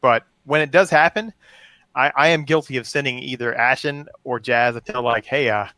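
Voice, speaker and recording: Male podcast co-host, bright tone, dry sound, blunt teasing conversational delivery. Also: medium pitch, moderate pace, no echo. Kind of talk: casual conversational podcast chat.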